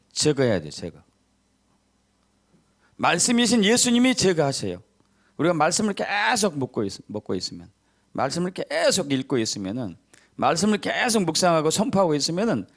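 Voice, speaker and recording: A middle-aged male pastor preaching a sermon. He stresses key words by repeating them low, and he tells stories in which he acts out the voices of the people in them.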